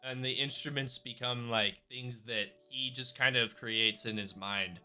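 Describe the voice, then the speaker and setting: Slow, rambling dungeon master, bright voice. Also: male voice, medium pitch, steady tone, faint music behind. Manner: rambling, hesitant, many fillers. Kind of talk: narrating a tabletop game.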